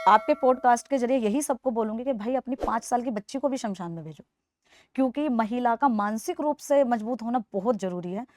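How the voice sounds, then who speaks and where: A young woman from Delhi speaks earnestly as a podcast guest, pressing her points and coming back to them again and again. Her voice sits fairly high, and the recording is close and dry. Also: dark tone, dry recording. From Delhi, India. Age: 20s. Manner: earnest, persuasive, repeats points for emphasis. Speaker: interview guest. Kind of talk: earnest podcast interview answers.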